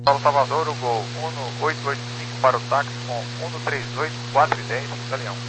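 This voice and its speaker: A man's voice: medium pitch, steady tone, fairly quick. A man with a Brazilian accent speaking as an airline pilot, making clipped readbacks over a walkie-talkie style radio. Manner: clipped, procedural. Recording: very noisy radio with mains hum.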